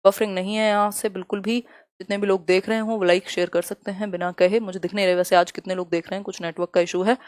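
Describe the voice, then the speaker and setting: A woman teaching an exam-prep lesson live, reading questions aloud slowly and chatting with viewers as she explains. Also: mid-range voice, little pitch movement, darkish tone, dry recording. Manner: chatty, answers viewers' comments.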